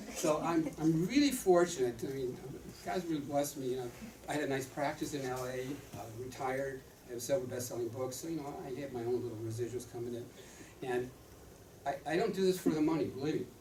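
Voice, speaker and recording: Through audible room echo and noticeable background noise, a man with a fairly high voice talks at a very fast pace, broken by long, frequent pauses. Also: ordinary pitch variation. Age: 70s. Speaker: naturopathic doctor. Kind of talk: training talk.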